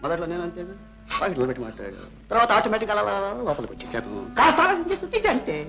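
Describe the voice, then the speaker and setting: An actor playing a loud, jealous, bullying husband in an old film comedy, mocking and blustering. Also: male voice, high voice, huge pitch swings, rapid-fire, vocal fry, over music, full character voice, rough recording.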